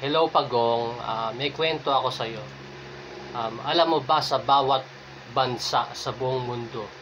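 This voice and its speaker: Noticeable noise fills the background as a man talks fairly slowly, keeping his intonation fairly even. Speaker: vlogger telling a playful story. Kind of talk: casual vlog chat in Filipino. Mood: playful, joking boastful tall tale. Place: home room. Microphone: phone near.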